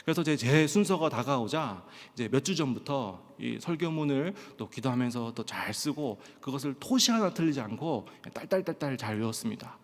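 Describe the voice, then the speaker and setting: A male pastor from Pohang in South Korea, telling stories in a sermon at a Friday prayer meeting and often filling pauses with a short "yes". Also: mid-range voice, animated. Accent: standard Korean, trained out of Gyeongsang dialect. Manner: storytelling with frequent "예" fillers and acted-out quotes. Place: church sanctuary. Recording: long church-hall reverb.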